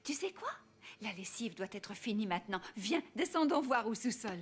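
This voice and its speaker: A woman's voice: a little high, big pitch swings, moderate pace, a little hiss or hum. A woman voicing a kind, playful old grandmother in a French children's cartoon dub. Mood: playful, encouraging.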